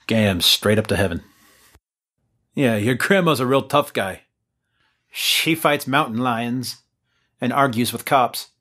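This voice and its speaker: A man's voice: mid-range voice, lively intonation, slow, long pauses, fairly bright tone. Casting: male player, playful joker, stacks up period slang. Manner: playful, riffs in old-timey slang. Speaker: tabletop game player. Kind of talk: riffing banter at a recording session.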